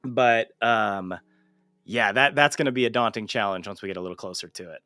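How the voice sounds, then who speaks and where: A man's voice: on the low side, a little fast, pushed and bright, smooth, dry recording, soft background music. A man hosting a casual livestream interview, talking informally and swearing freely. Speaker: show host and amateur voice actor.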